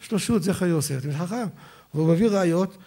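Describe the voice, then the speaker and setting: A rabbi with a high-pitched voice and an Israeli Sephardi Hebrew accent gives an animated Torah lecture. He quotes his sources and slows down to spell out how words are pronounced.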